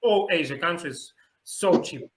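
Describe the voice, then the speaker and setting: A young Russian man hosting a casual chat. He speaks halting English with a Russian accent and laughs often. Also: on the high side, lively intonation. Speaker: host.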